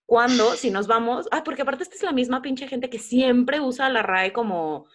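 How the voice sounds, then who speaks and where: A woman's voice: a little high, normal speed. A young Mexican woman co-hosting a podcast, ranting playfully and laughing often in casual chat. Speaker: podcast co-host.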